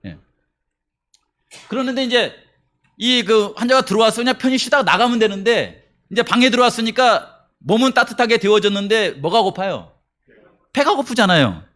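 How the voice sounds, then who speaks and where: A male pastor preaching a sermon, telling a story with acted-out quotes and questions put to his congregation, swinging between quiet murmurs and raised emphasis. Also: sits high, lively intonation, moderate pace.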